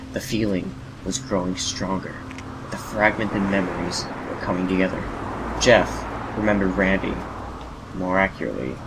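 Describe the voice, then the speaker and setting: Male narrator, low voice, scripted horror story, measured dramatic phrasing, music behind. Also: low-quality recording. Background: music under the narration.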